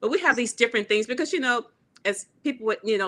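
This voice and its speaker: The tone is bright, sharp and animated. It comes with a Southern US accent. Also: woman. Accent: Southern drawl. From US South, Mississippi. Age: 60s. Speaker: model and performer. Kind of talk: casual chat. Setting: live video show.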